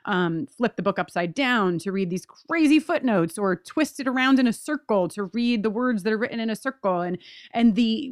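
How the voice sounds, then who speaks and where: A woman's voice: mid-range voice, no room sound, studio quality. A woman co-hosting a podcast, talking in a casual, analytical way with emphatic, conversational delivery. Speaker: podcast co-host.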